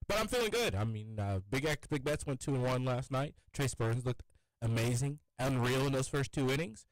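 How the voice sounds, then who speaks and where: A man's voice: mid-range voice, lively intonation, moderate pace, no room sound, low-quality recording. A young man co-hosting a sports radio show, sounding congested and talking in an easygoing, rambling way. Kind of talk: casual sports radio chat. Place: radio studio. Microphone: studio microphone.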